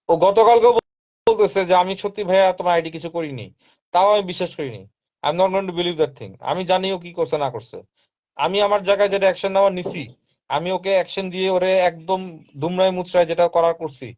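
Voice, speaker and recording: A man talks at length in a firm, insistent way, repeating himself and slipping English phrases into his speech. His voice sits slightly high for a man. The recording is dull and lo-fi. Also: a little mellow. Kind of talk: casual live talk. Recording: dull lo-fi sound.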